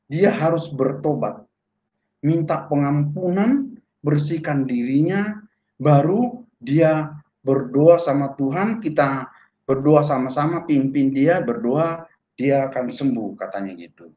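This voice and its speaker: A man telling a personal testimony in an animated way, acting out the voices of people in his story. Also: on the high side. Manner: animated, acts out quoted voices. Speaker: testimony speaker. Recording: echoey, dull lo-fi room sound.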